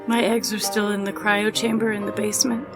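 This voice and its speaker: An actress playing a frail dying woman in a radio drama, soft and wistful, in golden-age radio acting style. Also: mid-range voice, level tone, a little fast, close to an everyday voice. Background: music score.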